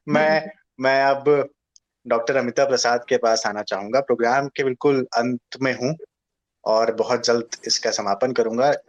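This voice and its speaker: A man's voice: mid-range voice, fairly even intonation, unhurried. Polite male host, muffled sound. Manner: polite, thanking, leading questions. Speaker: program host. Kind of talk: interview talk.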